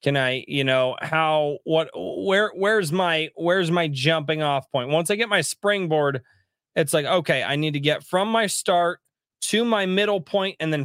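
A man with a normal speaking voice, fairly high in pitch with ordinary pitch variation, at a moderate pace, in a dry, close sound with no echo. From Colorado. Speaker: indie comics creator. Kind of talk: casual chat.

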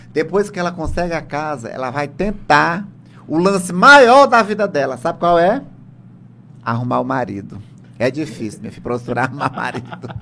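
A man's fairly high, bright, sharp voice with vocal fry, very wide pitch swings, big swings in loudness, and a moderate pace. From Brazil, Piauí. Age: 50s. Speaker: comedian. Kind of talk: casual chat.

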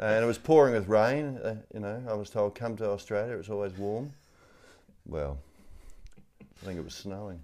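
With a New Zealand accent, a man speaks in a fairly low pitch and a dark, mellow tone, showing ordinary pitch variation, big swings in loudness and long, frequent pauses. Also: moderate pace. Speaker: cycling race official. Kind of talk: interview. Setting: in Australia, at host's home. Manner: halting, many fillers.

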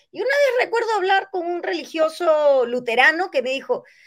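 A woman speaks at a moderate pace in an extremely high pitch, her voice making very wide pitch swings. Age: 60s. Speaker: congresswoman. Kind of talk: interview.

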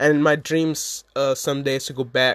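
In an American accent, a man with a plain, everyday voice and a fairly high pitch for a man speaks at a fairly slow pace, the sound dry and close with no echo. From US Midwest, Chicago. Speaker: podcast host and blogger. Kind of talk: solo casual podcast monologue.

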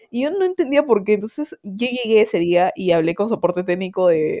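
A woman speaks at a fairly quick pace in a dark, mellow tone, with ordinary pitch variation. The sound is dry and close, with no echo. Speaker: podcast co-host. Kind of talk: casual chat. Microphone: connection cutting out.

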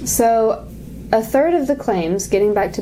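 A woman with an Appalachian accent speaks at a fairly slow pace with ordinary pitch variation, along with noticeable background noise and audible room echo. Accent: Appalachian US Southern. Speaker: podcast host. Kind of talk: casual chat.

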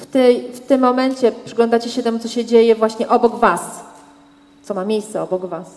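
Over noticeable background noise, a woman talks at a fairly quick pace in a fairly high voice, with fairly even intonation and big swings in loudness. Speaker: interpreter. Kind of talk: consecutive interpreting of a sermon and prayer, Polish lines echoing the preacher. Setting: church, live with audience. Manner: echoing, fervent, rising in step with the preacher's intensity.

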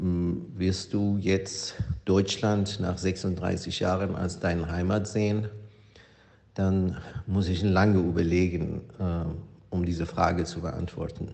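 A man speaks with a Persian accent in a very deep, low voice, his intonation flat and monotone. He talks at a very slow pace with long, frequent pauses, and the room echo is audible. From Iran. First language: Persian (speaking German). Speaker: immigrant. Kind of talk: voice message.

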